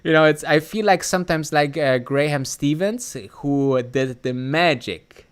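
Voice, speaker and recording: Slow-talking German man on a live stream. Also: fairly high pitch, clear, resonant tone. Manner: rambling, many fillers and restarts. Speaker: livestream host answering chat. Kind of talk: casual live stream chat.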